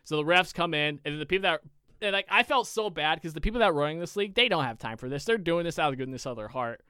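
A young man co-hosting a podcast, telling a long story in a casual, animated, profane way with many restarts. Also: on the high side, racing, clean tone, no echo, clean studio sound. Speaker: podcast co-host.

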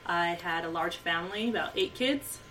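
A woman's voice: fairly low pitch, normal speed, a crowd in the background. A woman from Costa Rica, an author and speaker, talking as an interview guest with frequent hesitations. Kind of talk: casual interview. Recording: mic at a distance, faint noise.

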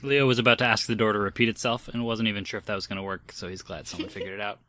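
A player in a tabletop role-playing game, quick with jokes and laughing often. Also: mid-range voice, fairly even intonation, sharp tone, a little hiss or hum. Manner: laughing, quippy. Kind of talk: casual tabletop role-play chat.

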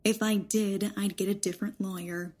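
A woman's voice: mid-range voice, steady tone, normal speed, dark tone, husky, lightly acted. An actress in an audio drama playing a rejuvenated mother in a young woman's body, sardonic and defiant. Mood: cool, resolute. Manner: sardonic, pointed.

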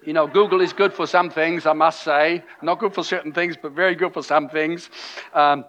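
A man's voice: on the high side, fairly bright tone. A middle-aged man from Austria with a German-accented English, preaching a conversational sermon with many fillers and restarts. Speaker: pastor.

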